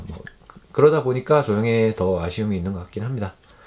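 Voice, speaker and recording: This man has a fairly low pitch and a dark, mellow tone. His intonation is lively and his pace fairly quick. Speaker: toy reviewer. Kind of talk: casual unboxing review talk to camera.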